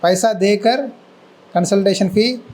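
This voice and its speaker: A male pastor giving a sermon, telling a story with lively acted-out voices and asking the listeners questions. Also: high voice, a little slow, low-quality recording. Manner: asks the listeners questions and answers them.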